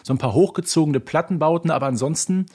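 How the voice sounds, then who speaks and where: Husky man chatting on a podcast. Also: fairly high pitch, quick pace, darkish tone. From North Rhine-Westphalia, Germany (Ruhr area). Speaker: podcast co-host. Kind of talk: casual conversational podcast discussion.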